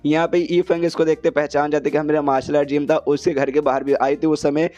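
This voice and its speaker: A young man tells a comic storyline in a loose, slangy recap, racing along at a very quick pace. His voice sits a bit high for a man. He reads the characters' lines in his own voice instead of acting them out. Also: flat delivery, a little mellow, faint music behind. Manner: rapid, slangy, voices characters' insults in plain voice. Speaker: manhwa recap narrator.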